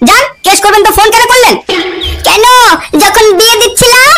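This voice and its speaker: Brash woman with a Bengali accent, rapid-fire scolding for a comedy cartoon, over heavy background noise. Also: very high-pitched. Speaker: cartoon voice performer. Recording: loud constant background noise.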